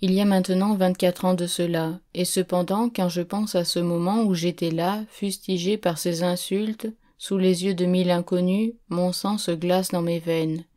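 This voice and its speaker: A woman reading a literary audiobook in a steady, measured first-person narration. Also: lowish voice.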